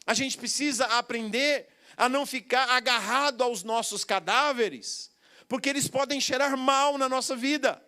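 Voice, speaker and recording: A man's voice: very high-pitched, moderate pace, sharp tone, clear, resonant tone. A man with a Brazilian Portuguese accent preaching a sermon, telling a story with quoted voices and bursts of laughter.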